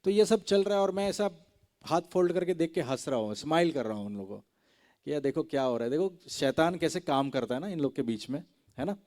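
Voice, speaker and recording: A man's voice: fairly high pitch, brisk, darkish tone. A man giving a chatty testimony to a youth gathering, telling his story and often checking in with his listeners. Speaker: guest speaker sharing a testimony.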